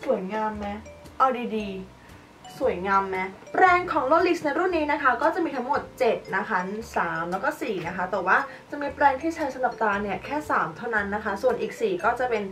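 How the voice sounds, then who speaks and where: Animated and brisk, this young woman's voice is a touch high with a fairly bright tone as she casually demos makeup for her beauty channel. She sounds slightly distant from the mic, with gentle music behind her.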